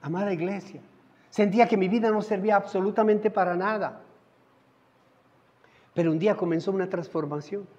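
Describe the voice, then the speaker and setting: A middle-aged man preaching a sermon as pastor, telling a personal story with dramatic swings between loud and soft. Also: high voice, fairly quick, long pauses. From Colombia. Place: church sanctuary. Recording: muffled church sound with long reverb.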